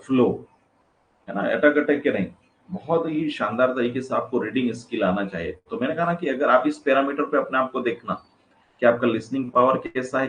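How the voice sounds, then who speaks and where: A male teacher giving a classroom lecture, switching between Hindi and English, repeating phrases and putting questions to his students. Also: mid-range voice. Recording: echoey room, faint background noise.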